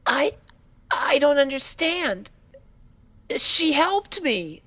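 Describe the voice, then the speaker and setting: High, timid pony mare. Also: female voice, big pitch swings, fairly bright tone, exaggerated voice. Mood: worried, defensive. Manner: hesitant, halting, pleading. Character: timid, anxious, injured young pony mare. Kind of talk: dramatic audio story acting.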